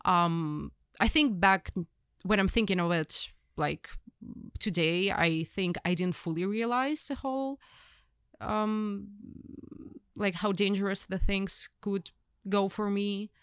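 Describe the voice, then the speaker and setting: A woman's voice: mid-range voice, takes it slowly, a bit bright, clean tone, no echo, clean studio sound. A young woman with a Ukrainian accent, a journalist guest telling her story in casual conversation, rambling with many fillers and restarts.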